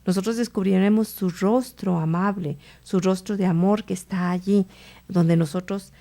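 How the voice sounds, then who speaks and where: A woman hosting a radio prayer program, teaching on scripture in an unhurried way and often checking in with listeners through tag questions. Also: medium pitch, fairly even intonation, warm tone.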